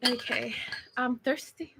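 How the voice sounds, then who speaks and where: An Australian woman, a singer chatting casually on a livestream from her bedroom, bubbly and animated as she reads fan texts. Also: fairly high pitch, slow pace, gravelly, background noise.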